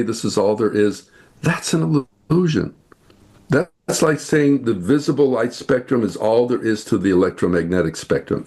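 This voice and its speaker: A man with a fairly low voice talks about spiritual ideas in an interview. He explains earnestly and patiently, and he stretches out his key phrases. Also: darkish tone. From United States. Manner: earnest, explanatory, slows to stress points. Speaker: guest.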